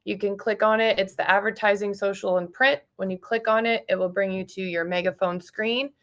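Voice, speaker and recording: A woman's voice: medium pitch, fairly even intonation, a little fast, fairly bright tone. A young woman presenting a casual tutorial, informal and instructive. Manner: informal, instructive, asks short questions.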